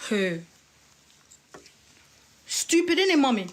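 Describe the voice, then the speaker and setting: A woman's voice: high-pitched, very animated, slow pace. A young woman, aggressive and swearing in a heated livestream rant. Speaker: daughter arguing on a livestream.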